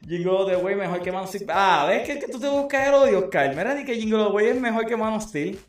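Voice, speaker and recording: Man, podcast host, animated casual chat, echoey room. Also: high-pitched, quick pace. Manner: animated, mixes English phrases into Spanish. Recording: roomy echo with faint music.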